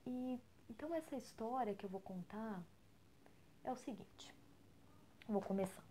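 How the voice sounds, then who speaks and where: Brazilian woman, Brazilian Portuguese accent, soft near-whisper, mellow tone, storytelling podcast at home. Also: on the high side, unhurried, a little hiss or hum. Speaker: podcast co-host. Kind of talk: storytelling talk.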